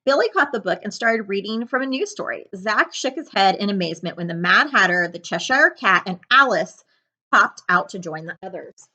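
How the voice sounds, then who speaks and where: Female storybook reader, middle-aged, bright tone, very lively intonation, dramatic delivery for children. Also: mid-range voice, normal speed. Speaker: librarian reading aloud. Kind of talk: children's picture-book read-aloud with asides. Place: living room couch, indoors.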